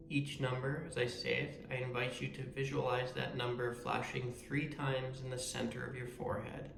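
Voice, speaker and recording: A man guides a meditation with a soothing, measured delivery. His mid-pitched voice stays very even and carries a gravelly creak. There is a noticeable roomy echo around him as he speaks. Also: a little hiss or hum. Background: meditation music.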